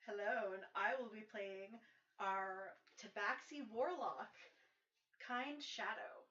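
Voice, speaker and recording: A woman's voice: medium pitch, slow pace, a bit bright. A woman playing a tabletop game, chatty and pleading in casual banter. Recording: echoey, dull lo-fi room.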